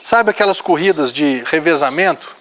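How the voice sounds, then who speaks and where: High-voiced man preaching. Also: expressive, moderate pace, a bit bright. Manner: earnest, exhorting, reads scripture aloud. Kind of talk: sermon.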